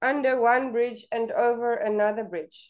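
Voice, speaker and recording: Over a quiet background, a woman speaks in a high pitch with fairly even intonation. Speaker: English tutor. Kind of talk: online English lesson; online English lesson, conversational teaching. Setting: video call. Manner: slow, patient. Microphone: video call.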